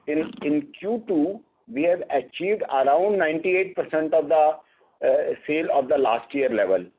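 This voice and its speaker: A man with an Indian accent answering questions as a company executive, speaking haltingly and repeating words. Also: fairly high pitch, animated, husky. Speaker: company executive on an earnings call. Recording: narrow, tinny phone line.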